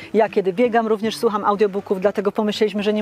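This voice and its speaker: The woman's voice sounds dry with no echo, over light background noise. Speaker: travel vlogger; audiobook narrator. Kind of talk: casual talk to camera. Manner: upbeat. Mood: cheerful, excited. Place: open country.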